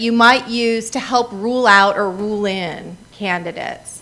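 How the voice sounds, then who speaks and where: Speaking at a fairly slow pace, the woman lets her pitch vary in an ordinary way. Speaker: workshop facilitator. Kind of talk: training workshop. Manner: pitch drops at end of sentence.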